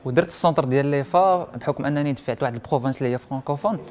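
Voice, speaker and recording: A man's voice: mid-range voice, rapid-fire, a little mellow. A young man with a Moroccan Arabic accent telling his story casually, mixing in French words and quoting dialogue as he goes. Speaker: interview guest; printing and IT technician. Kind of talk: casual personal storytelling in conversation.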